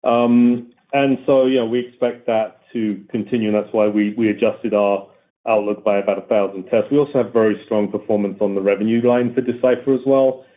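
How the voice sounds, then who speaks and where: A man's voice: on the low side, steady tone, fairly quick. A man speaking as a company executive on an earnings call, explaining figures to analysts and often restating his words as he goes. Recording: tinny phone-like conference call audio.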